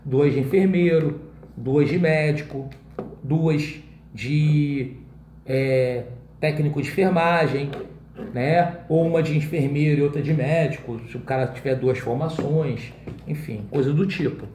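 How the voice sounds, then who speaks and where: A man's voice: a little high, unhurried, warm tone, echoey room, slight background noise. A man teaching an exam-prep class in Brazilian Portuguese in a casual way, often checking in with his students.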